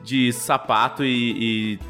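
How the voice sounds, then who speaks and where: A man's voice: medium pitch, steady tone, slow pace, bright, forceful tone, soft background music. A man with a Brazilian accent in casual podcast banter, giving opinions in a teasing way. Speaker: podcast co-host.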